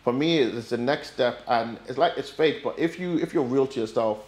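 A young man from Nigeria raised in Ireland, a guest talking in a casual sit-down interview, animated and rambling with plenty of fillers, on a lapel mic. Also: medium pitch, normal speed. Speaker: guest, forex trader. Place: bright living room, indoors. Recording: echoey room.

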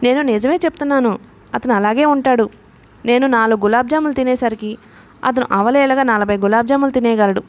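A woman reading a novel aloud, voicing a lively young woman who teases her friends. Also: on the high side, brisk, natural voice. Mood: teasing. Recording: audiobook narration.

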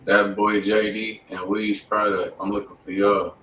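A low, flat-voiced man co-hosts a music livestream from a home studio, calmly reading out who is next in the queue. He sits back from the mic in a roomy space, with a faint background hum. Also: measured pace, distant mic. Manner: flat, matter-of-fact queue calling. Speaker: livestream co-host. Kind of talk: casual livestream chat.

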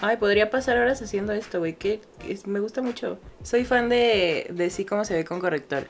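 A woman's voice: mid-range voice, fairly quick, a little hiss or hum. A young woman with a Mexican accent chatting casually through a makeup tutorial, self-mocking and swearing freely. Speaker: beauty vlogger.

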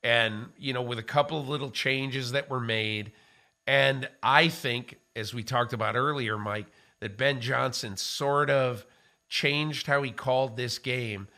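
An older man talks football in a casual studio discussion, his voice bright and forward. He speaks in an animated way into a studio mic in a small room. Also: medium pitch, unhurried, vocal fry. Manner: animated, gestures with hands while talking. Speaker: football analyst co-host. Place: small studio with framed pictures. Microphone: studio mic on boom arm.

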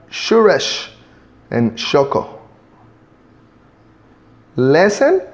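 A man's voice: on the high side, a little mellow. A man teaching an English class, patiently drilling a student with prompts and switching between two languages.

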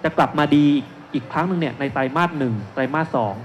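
A man in his thirties, a securities analyst on an investment seminar panel, talks fast in a fairly high voice. He stands on an indoor stage at a shopping mall expo with a handheld microphone, breaking things down step by step and using lots of polite particles, amid noisy live event sound.

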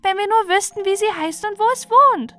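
A woman's voice: very high-pitched, fairly quick, bright, forceful tone, voice pushed up. A woman voicing a sweet, generous little girl in a storybook, with an earnest and eager childlike delivery. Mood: eager, wishful. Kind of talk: storybook character voice.

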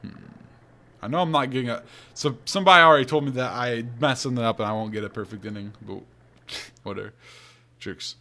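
A man's voice: mid-range voice, fairly quick, pushed and bright. A man giving casual commentary on a video game he is playing, with wry, sarcastic asides. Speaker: let's player narrating and reading game dialogue aloud. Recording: game music behind the voice. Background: video game music.

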